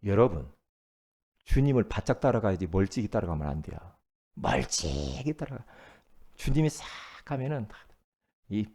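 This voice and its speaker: Animated Korean pastor, loud to whispered. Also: male voice, fairly low pitch, a little fast. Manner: swings from loud outbursts to near whispers; acts out quoted speech dramatically. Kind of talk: sermon.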